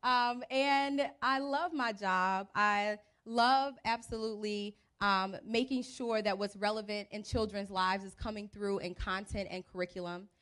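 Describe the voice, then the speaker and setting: A young American woman gives an informal talk to teachers. Her voice sits at a middle pitch, and her delivery is chatty and colloquial. She speaks through a handheld microphone under an event tent. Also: steady tone, unhurried, few pauses, fairly bright tone. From United States (Birmingham, Alabama and Cleveland, Ohio). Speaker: teacher coach giving a talk. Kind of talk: informal presentation to a live audience. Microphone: handheld mic through PA speakers.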